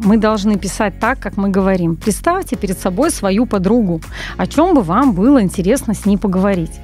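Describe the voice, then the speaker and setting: Woman in her 40s on a radio show, chatty and expressive, lots of ums, close studio mic with soft music under her. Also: mid-range voice. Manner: animated, expressive storytelling with frequent hesitations. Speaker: guest copywriter. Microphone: large studio mic on boom arm, wearing headphones.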